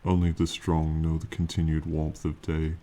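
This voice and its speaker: A man performs an ancient male dragon in a fantasy ASMR roleplay. The voice is very deep and dark, with little rise or fall. The phrasing is stately and archaic, proud and condescending, yet fond of the mortal companion. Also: monotone. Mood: proud, warning. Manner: slow, formal, lofty, archaic phrasing.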